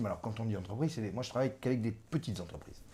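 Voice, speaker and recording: This man talks at a medium pitch, his tone dark and mellow and somewhat breathy. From Corsica. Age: 40s. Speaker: author and business consultant. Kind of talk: interview.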